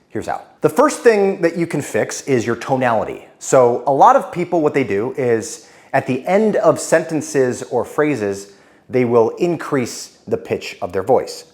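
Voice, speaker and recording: A man teaching to camera as a speaking coach, blunt and direct, letting his pitch fall at the end of sentences. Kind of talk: instructional talk to camera.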